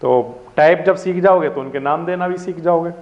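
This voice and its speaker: A man's voice: on the high side, moderate pace, a little mellow. A man teaching a chemistry lesson, patiently walking students through each step and often checking they follow. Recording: roomy, dull lo-fi sound.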